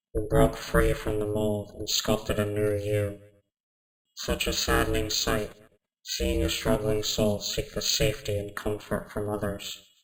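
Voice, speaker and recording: A raspy, put-on character voice from a man, fairly low in pitch, at a moderate pace. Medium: role play. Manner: formal, disdainful.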